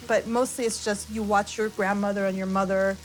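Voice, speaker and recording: A middle-aged woman with an American accent, explaining a dish and telling personal stories in an expressive way as a guest cook. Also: mid-range voice, brisk, poor audio. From born in Iran, raised in Arizona, US. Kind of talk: cooking demonstration with personal storytelling. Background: music and frying sizzle.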